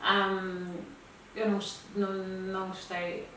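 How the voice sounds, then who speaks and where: A woman's voice: mid-range voice, monotone, slow, bright, forceful tone. A woman chatting casually as a guest, in a hesitant way that repeats phrases. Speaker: talk show guest. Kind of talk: casual conversation between friends. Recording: very echoey room, distant mic, faint noise.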